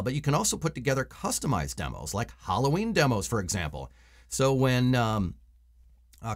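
A man in his forties talking to camera in a casual, explanatory way, like a voice-over coach giving tips from a small room at home. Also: on the low side. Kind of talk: casual instructional vlog to camera.

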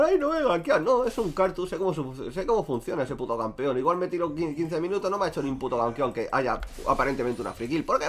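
Lively, fast-talking streamer guy. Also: on the high side. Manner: crude, joking, talks to chat. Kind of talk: casual gameplay commentary.

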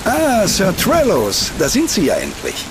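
An actor playing a polite, deferential household butler in a radio drama. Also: male voice, high voice, huge pitch swings, measured pace, very noisy, full character voice. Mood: concerned. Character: formal, solicitous household butler. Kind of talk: German radio drama acting.

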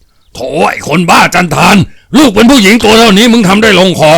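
A man voicing a bold village man who loudly scolds a violent father in a spoken novel. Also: high-pitched, animated, very fast, creaky, husky, no echo, clean studio sound, pitched above the performer's own voice, heavily acted. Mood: angry scolding.

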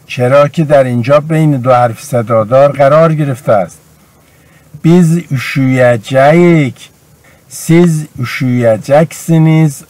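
Slow, deliberate male language teacher. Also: mid-range voice, darkish tone, no echo. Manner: slow, deliberate drilling of verb forms. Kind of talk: grammar lesson.

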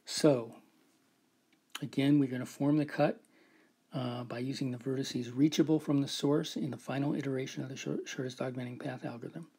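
A man's voice: medium pitch, fairly even intonation, normal speed, dark tone, breathy edge. A man giving a recorded whiteboard lecture, explaining a math proof step by step and often checking in with "right?".

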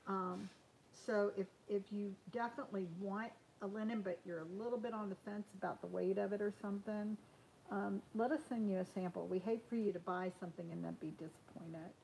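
A woman in her sixties talks loosely as she hand sews in a small sewing room. She restarts sentences and fills pauses with ums. The camera sits across the table, and a faint hum hangs behind her. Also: medium pitch, fairly even intonation, creaky, a little mellow, low-quality recording. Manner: chatty, frequent ums and restarts. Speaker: host sewing live. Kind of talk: casual live Q&A while hand sewing.

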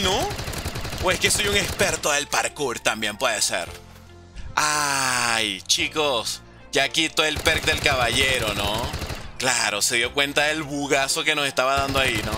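A young man doing animated gameplay commentary, talking straight to his viewers. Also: medium pitch. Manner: animated, excitable, talks to viewers. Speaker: gaming YouTuber. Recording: game music behind voice.

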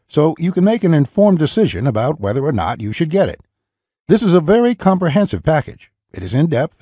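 A man reading a scripted, pushy sales pitch as a voice-over. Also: warm tone, breathy edge, no echo, clean studio sound. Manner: pushy, urgent salesman delivery.

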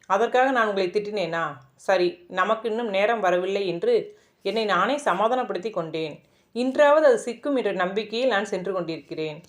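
A woman voicing a stern, sharp-tongued black cat in a storybook tale, speaking reproachfully and arguing point by point. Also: mid-range voice, expressive, moderate pace, natural voice. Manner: indignant, reproachful, argues point by point. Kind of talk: storybook narration.

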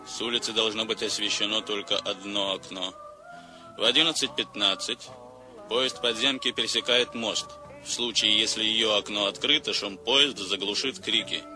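An actor playing a cold-blooded criminal boss who gives murder orders in a calm, measured, businesslike way, in a 1970s radio play. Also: male voice, lowish voice, close to an everyday voice. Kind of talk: 1970s radio drama acting. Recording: old radio play with music behind.

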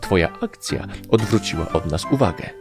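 A man's voice: low voice, animated, normal speed, over music. A man voicing a cocky little male sprite, a confident and grandiose sweet-talker in an audiobook. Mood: wheedling flattery. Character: small male kobold-like sprite, cocky, scheming, sweet-talking. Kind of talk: audiobook character acting.

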